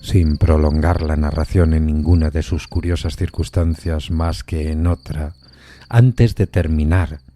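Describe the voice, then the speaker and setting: A man reading dramatic literary narration in a solemn, deliberate and expressive manner. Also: rumbling low, dry recording.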